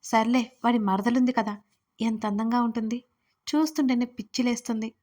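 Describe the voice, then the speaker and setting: A brash, hot-tempered young man in a storybook reading, played by a woman narrator. He talks aggressively and boastfully, in her own fairly high voice. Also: steady tone, moderate pace, darkish tone, natural voice. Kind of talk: audio story character voice.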